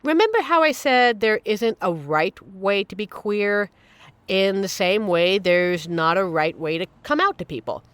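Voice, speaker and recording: A woman's voice: medium pitch, lively intonation, measured pace, a bit bright, clear, resonant tone, no echo. A woman playing a supportive, playful young queer friend in an audio roleplay, talking casually and earnestly to reassure the listener. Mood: upbeat, encouraging.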